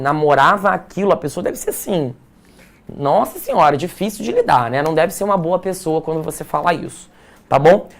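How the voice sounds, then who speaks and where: A man with a Brazilian accent teaching a live exam-prep grammar class, explaining step by step and checking in with his students. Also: fairly high pitch. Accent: Brazilian Portuguese. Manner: explanatory, frequent check-ins like "certo?" and "tá?".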